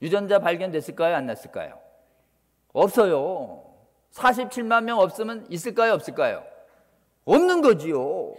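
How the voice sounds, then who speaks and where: A middle-aged man, a church elder and lawyer, preaching an impassioned sermon full of rhetorical questions, his voice swinging between loud and hushed. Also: sits high, sing-song, normal speed. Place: church sanctuary. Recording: long church hall reverb.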